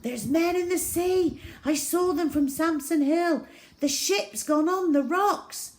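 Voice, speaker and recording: A village schoolteacher , acted by a woman reader, brings alarming news in a storybook. She calls out urgently, her voice pitched high and raised. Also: slow. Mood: alarmed, urgent. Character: breathless, alarmed female village school teacher.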